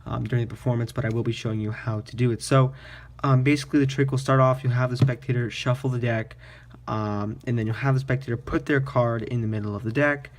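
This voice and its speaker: A man's voice: medium pitch, steady tone, fast, slight background noise. A man presenting a card trick tutorial in casual magician patter, explaining informally step by step.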